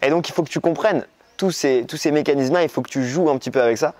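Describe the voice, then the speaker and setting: A young man from Morocco giving a dating-coach video lesson, talking casually and expressively, speeding over filler words and slowing down to stress key points. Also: fairly high pitch, no room sound. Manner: lively, expressive, speeds up and slows down for emphasis.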